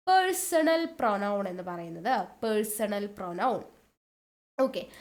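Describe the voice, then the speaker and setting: Woman teacher, high-pitched, drills terms by question and repetition. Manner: asks questions then answers them, repeats terms slowly. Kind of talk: exam-prep grammar lesson.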